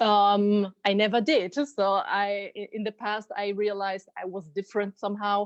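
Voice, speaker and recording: A woman with a German accent, medium in pitch and monotone, at a moderate pace with hardly any pauses, in a dry, close sound with no echo. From Germany. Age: 30s. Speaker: interview guest sharing life story. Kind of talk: personal testimony. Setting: livestream video call.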